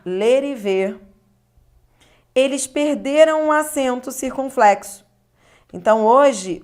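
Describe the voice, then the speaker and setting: A woman with a slightly high, somewhat mellow voice teaches grammar on video. She guides the listener through the material one step at a time. Tag questions help her check understanding.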